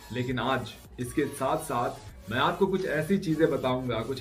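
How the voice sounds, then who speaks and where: Music plays in the background as a man talks at medium pitch with ordinary pitch variation. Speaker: voice-over artist, voice coach. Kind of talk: voice training tutorial talk to camera.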